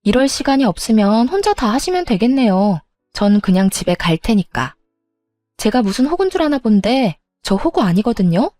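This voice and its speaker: A woman narrating a dramatized first-person story as a daughter-in-law, with sharp, defiant retorts. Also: on the high side, sing-song, moderate pace, no echo, studio quality, soft background music.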